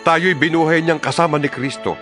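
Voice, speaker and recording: Over background music, a scripture reader lightly acts the part of Paul, the apostle and fervent letter-writer to believers. The reading is dramatized, scripted and declamatory. He speaks at a fairly high pitch with fairly even intonation, solemn and exhortatory, his phrasing deliberate.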